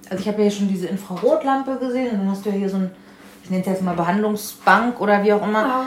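A medium-pitched woman's voice with fairly even intonation, noticeable background noise and audible room echo. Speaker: podcast host. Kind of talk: casual interview chat.

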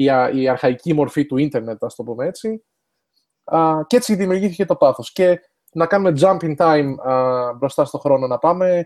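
With lively intonation and a fairly high pitch, a man's voice comes through in a dry, close sound with no echo. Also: moderate pace, quiet background. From Greece, Athens. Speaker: event organizer. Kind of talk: interview. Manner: halting.

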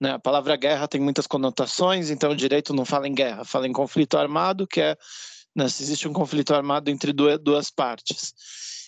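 A man with a normal speaking voice talks at a fairly quick pace and a fairly high pitch, keeping his intonation fairly even. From Brazil, São Paulo. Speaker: government legal adviser. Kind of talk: interview.

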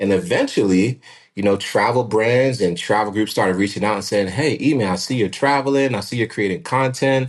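This is an ordinary speaking voice with an American accent. It moves at a fairly quick pace with ordinary pitch variation. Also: man, fairly low pitch for a man. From Baltimore, Maryland, US. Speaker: drone photographer and entrepreneur. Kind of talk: casual interview. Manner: casual.

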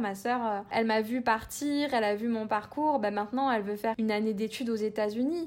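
A woman with a plain, everyday voice speaks at a fairly quick pace and a fairly high pitch. Her intonation stays fairly even. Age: 20s. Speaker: naturopath, former flight attendant. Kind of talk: interview testimony.

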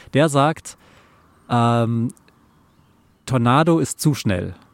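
A man at a medium pitch talks with lively intonation, the sound dry and close with no echo. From Bavaria, Germany. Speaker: podcast co-host. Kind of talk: casual chat. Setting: outdoors at a lake beach.

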